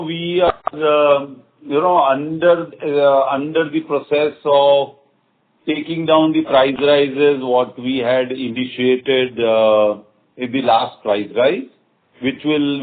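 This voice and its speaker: A man with an Indian accent speaking as a company executive on an earnings call, halting and repeating phrases as he answers in a semi-formal business style. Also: mid-range voice, steady tone. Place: conference call. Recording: muffled conference phone line.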